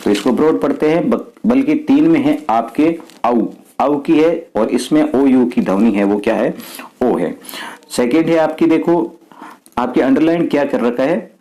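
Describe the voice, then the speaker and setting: Man, teacher, exam walkthrough, mellow warm tone, asks and answers himself. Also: mid-range voice, measured pace, rough recording. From Rajasthan, India. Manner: explains step by step, asks and answers his own questions. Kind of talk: exam paper walkthrough lesson.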